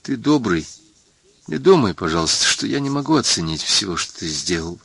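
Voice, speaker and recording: A man's voice: lowish voice, very animated, moderate pace, gravelly, a bit bright, slightly rough, no echo, heavily acted. A man voicing a distraught, frightened young woman, pleading in breaking phrases in an audiobook. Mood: quiet confiding. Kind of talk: audiobook character voice.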